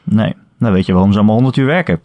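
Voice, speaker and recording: A man chatting casually as a podcast co-host, relaxed and hesitant. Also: on the low side, very fast, dry recording, muffled recording. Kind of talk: casual chat.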